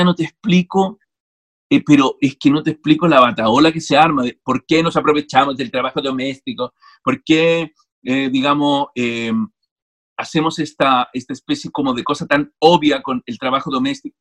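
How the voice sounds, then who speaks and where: A Chilean man with a somewhat high voice talks casually as an interview guest. He is animated and digressive. He restarts sentences often as his thoughts run ahead. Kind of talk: casual conversation.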